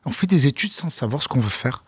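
A man's voice: medium pitch, quick pace, breathy edge, no echo. A man, a comedian, talking casually in an interview, telling stories with fillers and restarts. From France. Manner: relaxed storytelling, many fillers and restarts. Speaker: comedian guest.

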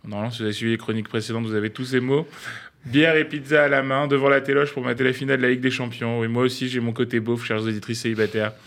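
A man's voice: medium pitch, fairly even intonation, very fast, fairly bright tone. Playful young man reading a comic column. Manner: playful, mock-pompous, laughs at own jokes. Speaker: radio columnist. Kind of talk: scripted comic radio column.

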